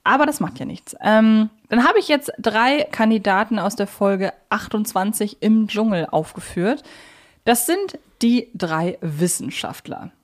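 A woman's voice: medium pitch, lively intonation, unhurried. A woman co-hosting a podcast, discussing fictional characters in a casual, thoughtful and opinionated way. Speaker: podcast co-host. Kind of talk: casual fan discussion of audio drama characters.

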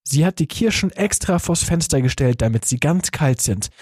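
A man's voice: fairly high pitch, lively intonation, darkish tone, husky, no room sound, studio quality. A man reading a feverish, dazed sick youth. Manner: slow, dazed, repeating himself. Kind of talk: audiobook reading.

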